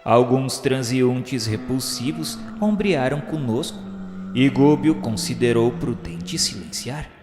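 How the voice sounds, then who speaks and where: An actor playing an earnest spirit pupil who recounts a journey in formal, literary radio drama narration. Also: male voice, mid-range voice. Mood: sombre, observant. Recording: echoey hall reverb, music behind.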